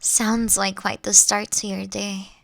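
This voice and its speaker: A woman acts out a caring, doting female boss in an intimate audio roleplay. She speaks slowly and affectionately, coaxing and teasing, with a creaky edge to her voice. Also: medium pitch, little pitch movement, no room sound. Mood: warm, teasing.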